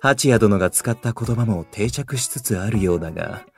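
A bookish idol dude, super formal old-timey way of talking, anime audio drama, faint music. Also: male voice, lowish voice, lively intonation, normal speed, a little mellow. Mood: refined, instructive. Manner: formal, old-fashioned, scholarly wording. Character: young man idol who speaks archaic, literary, refined Japanese. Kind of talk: anime-style voice drama acting.

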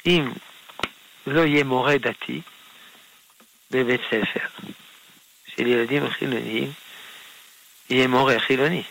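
A man, a rabbi, answering listener questions on a radio call-in show in a gentle, unhurried way. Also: medium pitch, creaky, rough recording. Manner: gentle, unhurried, explains patiently with soft laughs.

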